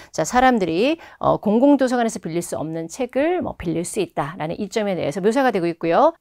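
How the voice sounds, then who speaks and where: A woman giving a TOEFL speaking lesson, talking straight to her students and slowing down to model English phrases. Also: medium pitch, darkish tone, dry recording, clean studio sound. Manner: instructive, addresses students directly with frequent "자". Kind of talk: online test-prep lecture.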